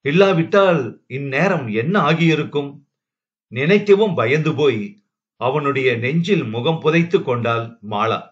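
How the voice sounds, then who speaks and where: A man narrates a family novel at a measured pace and speaks to his listeners in a friendly way. His voice sits a little high, and the recording sounds dull and lo-fi. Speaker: audiobook narrator. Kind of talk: reading a family novel aloud.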